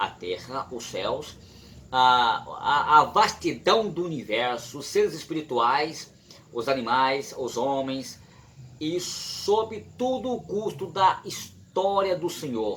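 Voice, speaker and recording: In a room with audible echo, a man with a fairly high pitch talks at a very slow pace, his pitch swinging very widely. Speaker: Bible school teacher. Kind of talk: lecture. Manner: halting.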